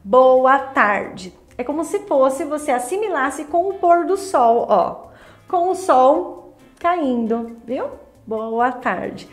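A Brazilian woman teaching sign language in a lively, demonstrative way, repeating each phrase as she shows it. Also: high-pitched, slow pace, reverberant. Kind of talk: friendly instructional explanation.

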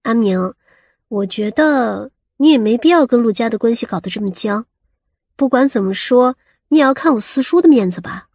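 A woman playing a sharp-tongued, coquettish lover in an audiobook, pouting and reproachful. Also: on the high side, lively intonation, moderate pace, slightly rough, no room sound, studio quality. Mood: wary, reasoning.

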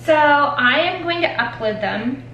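A woman's voice: high voice, animated, a little slow, sharp tone, echoey room, highs cut off, slight background noise. A woman in her forties vlogging casually from her nail studio, rambling and self-deprecating as she talks to the camera. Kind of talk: casual vlog chat. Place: home nail studio with shelves of polish.

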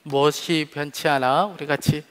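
A pastor in his forties preaching an earnest, heartfelt sermon from a church stage, speaking into a headset mic, often letting his phrases fall soft at the ends. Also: on the high side, steady tone, moderate pace. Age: 40s. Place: church stage behind a podium. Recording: long hall reverb.

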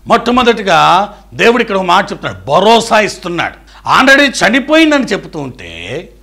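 Male pastor, sermon delivery: husky, bright timbre, pitch sitting a bit high, swings from loud proclaiming to near-whispered pleas. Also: sing-song, a little fast. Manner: dramatic swings between loud declaring and hushed pleading; addresses the listener directly as a dear friend.

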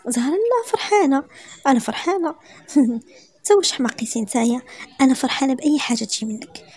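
A woman's voice: fairly high pitch, fast talker, a little mellow, breathy edge. A woman voicing a young, fiery wife and mother in a story, with a Moroccan accent and emphatic, protesting delivery. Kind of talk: storytelling with acted dialogue.

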